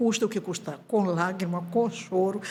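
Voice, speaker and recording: At a fairly slow pace, a woman speaks with a somewhat breathy voice at medium pitch and ordinary pitch variation. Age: 70s. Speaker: pastor. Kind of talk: testimony.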